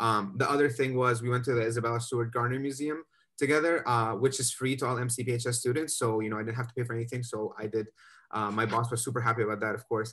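The speaker talks very fast in an American accent with fairly even intonation. The background is quiet. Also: man. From New England, US. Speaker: pharmacy student and resident assistant. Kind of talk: roundtable discussion. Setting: video call. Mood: friendly, upbeat. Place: home room. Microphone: webcam.

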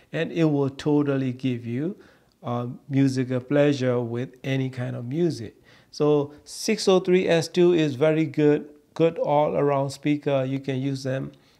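A dark, mellow tone carries fairly even intonation at a fairly slow pace. The background is quiet. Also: man. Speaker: audio equipment reviewer. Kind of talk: product review commentary. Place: home room.

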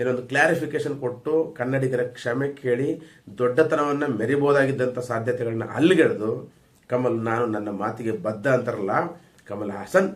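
A man speaks at medium pitch with ordinary pitch variation. Room echo is audible. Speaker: YouTube channel host, commentator. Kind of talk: opinion monologue to camera. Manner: impassioned, emphatic.

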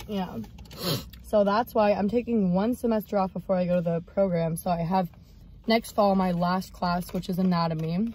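A woman speaks at a moderate pace with fairly even intonation. The sound is dry, with no echo. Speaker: vlogger. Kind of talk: casual mukbang chat. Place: car. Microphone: phone near.

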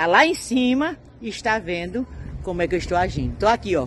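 A woman's voice with very wide pitch swings, dry with no echo, over light background noise. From Itaporanga, Paraíba, Brazil; Paraíba, Brazil. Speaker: social worker. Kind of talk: protest video testimony. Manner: emphatic. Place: street. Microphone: phone near.

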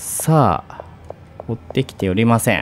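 A man speaks with very wide pitch swings. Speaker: horror game streamer. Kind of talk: game commentary.

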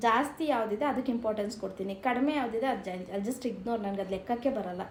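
A woman talks, and audible room echo surrounds her voice. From Karnataka, Mandya district (Maddur taluk village). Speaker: lifestyle vlogger. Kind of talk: casual Q&A vlog.

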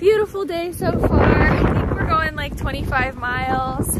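A woman talks at a fairly slow pace. Loud background noise runs behind her. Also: dry sound with no echo. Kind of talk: casual vlog chat. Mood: cheerful, laughing. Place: open country. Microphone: phone near.

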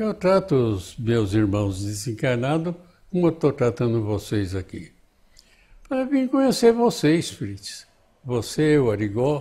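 Against a quiet background, a man with a somewhat breathy, dark, mellow tone at medium pitch speaks at a fairly slow pace with very wide pitch swings. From São Paulo state, Brazil. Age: 80s+. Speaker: spiritist elder; interviewee. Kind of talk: interview, life story. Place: home room. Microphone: lapel.

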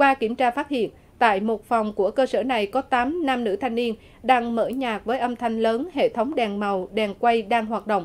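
In a very clean recording with a silent background, a woman with an unremarkable speaking voice talks at a moderate pace, with a fairly high pitch and ordinary pitch variation. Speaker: news presenter. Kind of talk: news reading. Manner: formal.

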